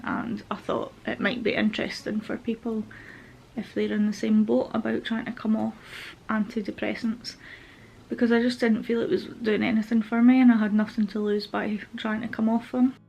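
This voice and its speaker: A young woman talks openly to camera from home, wandering through her thoughts with plenty of fillers. Her voice sits at an ordinary pitch for a woman and is slightly stuffy from a cold. A faint hiss sits under the recording. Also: creaky, rough recording. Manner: open, meandering, with frequent fillers. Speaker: vlogger. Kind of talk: candid personal update to camera. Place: at home, with pet rabbits nearby.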